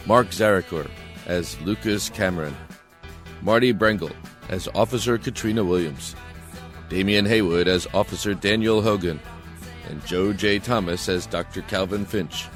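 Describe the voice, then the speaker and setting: Really deep guy announcer reading credits, measured, formal, soft music under it. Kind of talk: scripted narration.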